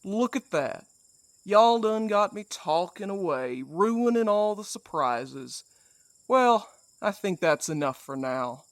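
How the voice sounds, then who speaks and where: A man's voice: sits high, big pitch swings, slow, no room sound, heavily acted. A man playing a menacing, mock-courteous supernatural villain in an audio drama. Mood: taunting. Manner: drawling, theatrical, mock-polite. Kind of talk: audio fiction drama acting.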